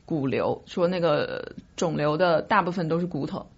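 A woman's voice: low-pitched, normal speed, creaky, breathy edge. A woman podcast host chatting casually and telling personal stories in a light-hearted, joking way. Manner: light-hearted, jokes about own troubles. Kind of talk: casual chat, personal storytelling. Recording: dull lo-fi audio.

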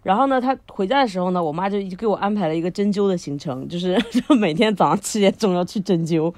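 A woman co-hosting a podcast, telling a long personal story in a lively way, laughing often and using lots of fillers. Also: on the low side, fast, no room sound. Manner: animated, frequent laughter, many fillers. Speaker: podcast co-host. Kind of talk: casual storytelling chat.

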